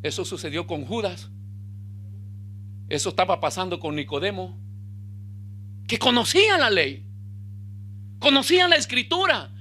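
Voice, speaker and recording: A male pastor, preaching a sermon with bursts of emphasis and quiet low asides. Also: expressive, measured pace, pauses often, slightly rough.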